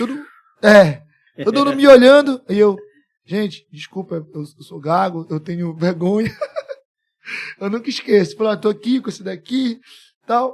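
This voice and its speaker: A man with a high-pitched voice talks at a moderate pace, his intonation lively, his loudness swinging widely, and his speech broken by long, frequent pauses. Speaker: entrepreneur. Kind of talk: storytelling interview.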